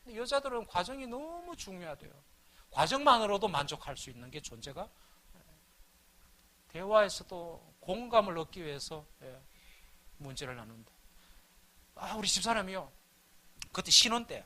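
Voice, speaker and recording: Lay minister, middle-aged man, high and very bright voice, animated storyteller. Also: normal speed, long pauses. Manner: animated storytelling, acting out both sides of quarrels. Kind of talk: humorous revival-meeting talk.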